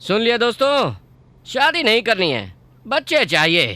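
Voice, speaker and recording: A brash, flirtatious passenger who jokes loudly and grumbles. His dubbed-film delivery stays broad and comic throughout. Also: extremely high pitch, sing-song, moderate pace, no room sound, heavily acted. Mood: flirting. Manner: loud, joking, flirtatious, complaining. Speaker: airline passenger. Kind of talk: Hindi film dub acting.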